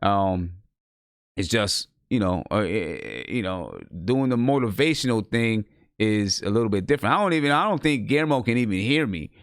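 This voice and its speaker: A man's voice: fairly low pitch, lively intonation, moderate pace, no room sound. A man in his thirties hosting a casual sports talk stream, speaking emphatically and repeating himself, close on a studio microphone. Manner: emphatic, repeats himself, laid-back sign-off. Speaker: podcast host and high school basketball coach. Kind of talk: casual postgame chat.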